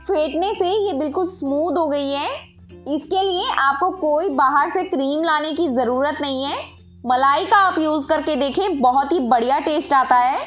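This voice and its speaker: High-voiced woman explaining a recipe. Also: normal speed, a bit bright, faint music behind. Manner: instructive, addresses viewers directly. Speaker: cooking channel host. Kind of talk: step-by-step recipe narration.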